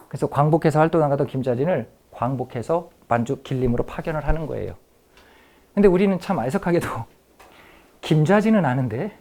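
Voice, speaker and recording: Lively Korean history professor lecturing. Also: male voice, on the high side. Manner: lively, repeats key phrases, asks the audience. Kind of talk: lecture to teachers.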